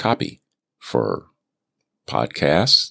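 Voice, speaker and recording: There is vocal fry in this man's voice. His tone comes across bright and sharp. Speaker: aspiring voice actor podcaster. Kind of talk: casual podcast monologue.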